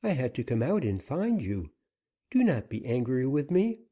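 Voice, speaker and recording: A man's voice: medium pitch, sing-song, moderate pace, mellow, pitched above the performer's own voice. A man voicing an anxious young woman in a storybook reading, pleading and breathless.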